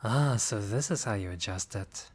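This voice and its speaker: Man acting a courteous, lowish-voiced friendly vampire. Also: moderate pace, breathy edge. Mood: polite, curious. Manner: formal, polite, old-fashioned, hesitant phrasing. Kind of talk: intimate roleplay audio acting.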